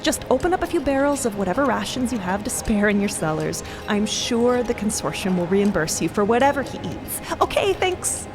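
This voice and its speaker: Crew member: actress playing a chatty, sweet-talking woman, ingratiating, animated mid pitch, audio drama over music. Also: fairly quick, hardly any pauses. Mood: sweetly wheedling.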